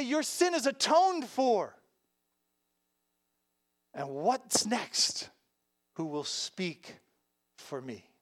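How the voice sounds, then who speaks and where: Preacher, mid pitch, conversational and animated delivery with rhetorical questions and wry asides, dry recording. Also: no room sound. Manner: animated, rhetorical questions, frequent "right?" check-ins. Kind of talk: sermon with casual asides and scripture reading.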